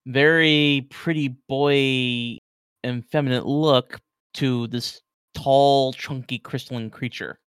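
A man running a tabletop game as game master, with a smooth, resonant voice. He describes monsters in a relaxed way, with plenty of filler words. The sound is dry and close. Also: mid-range voice, takes it slowly, no echo.

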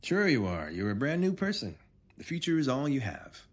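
A man's voice: mid-range voice, big pitch swings, a little fast. A man playing an affable but needling government interviewer in an audio drama, chatty and patronizing. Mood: probing.

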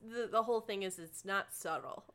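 A woman's voice: medium pitch, fairly quick. A young adult woman co-hosting a podcast, chatting casually and laughing often as she recaps a cartoon episode. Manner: giggly, animated, frequent laughter. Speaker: podcast co-host.

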